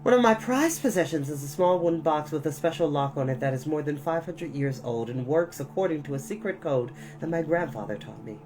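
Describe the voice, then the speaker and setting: A woman reading a children's novel aloud as a storyteller, in a deliberate, dramatic, expressive style. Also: deep voice, low-quality recording.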